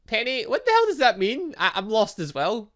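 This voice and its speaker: A man doing casual, rambling and excitable commentary as he plays a story game and reads its text aloud. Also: extremely high pitch, normal speed. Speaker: gaming channel host.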